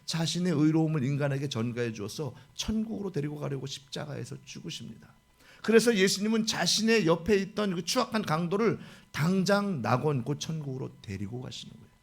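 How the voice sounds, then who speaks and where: A man with a high, gravelly voice preaches a sermon. His tone is husky and a little rough. He tells the story in lively swings, from loud exclamations down to hushed asides. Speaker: pastor.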